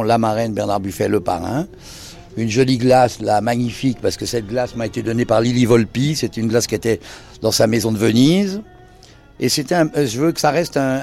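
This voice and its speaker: A man's voice: medium pitch, fairly quick, vocal fry, darkish tone, soft background music. An older man who owns a bar, telling anecdotes in casual conversation. He acts out the dialogue he quotes and hesitates often. He speaks indoors in his bar lounge. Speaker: bar owner.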